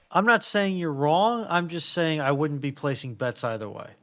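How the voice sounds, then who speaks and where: A man's voice: on the high side, big pitch swings, measured pace, fairly bright tone. A man taking part in a casual panel discussion as a guest.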